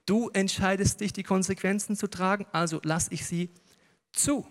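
High-voiced preacher in a reverberant hall. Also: male voice, moderate pace. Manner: lively storytelling, jokes with the audience. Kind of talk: sermon. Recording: long reverb of a large hall.

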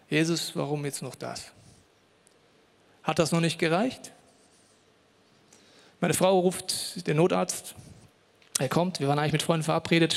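A man's voice: a little high, long reverb tail. A male pastor giving a sermon in a church, speaking personally and directly to the listener and telling a story dramatically. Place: church hall.

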